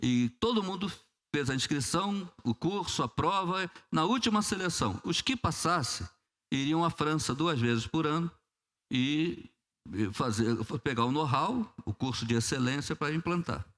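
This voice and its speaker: A man's voice: a little high, lively intonation, normal speed, fairly bright tone. A man with a Brazilian Portuguese accent, a pastor preaching a sermon in church, telling a story and acting out prayers with humor. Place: church sanctuary.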